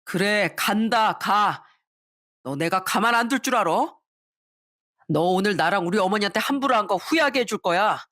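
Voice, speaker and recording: An angry young husband, as a woman puts him on, argues in a loud, defensive bluster. He shouts back as if wronged and refuses to back down. This is storybook drama read aloud. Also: mid-range voice, animated, normal speed, no echo, studio quality. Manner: shouting, indignant.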